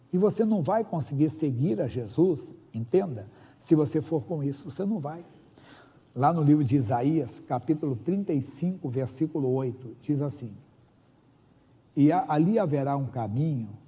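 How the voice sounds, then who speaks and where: Delivered at a moderate pace in a Brazilian accent, the somewhat breathy voice has a dark, mellow tone, lively intonation, and long, frequent pauses. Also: man, fairly high pitch for a man. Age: 60s. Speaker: pastor. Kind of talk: sermon.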